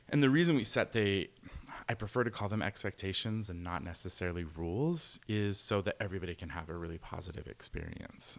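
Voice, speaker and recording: A normal speaking voice from a man with an American accent, fairly low in pitch, fairly quick and with lively intonation, on a very clean recording with a silent background. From Southern California. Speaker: naked social group organizer. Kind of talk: interview conversation.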